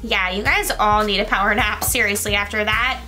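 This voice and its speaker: A woman giving casual reaction commentary on a show as she watches, gushing and excitable, full of gasps and exclamations. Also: medium pitch, moderate pace, faint music behind. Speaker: reaction video creator.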